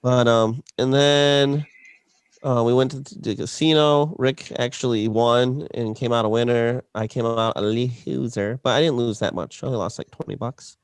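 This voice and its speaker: A man's voice: mid-range voice, fairly even intonation, moderate pace, clean tone, no echo. A man co-hosting a podcast, telling a long, rambling story in casual chat, full of fillers and restarts. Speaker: podcast co-host.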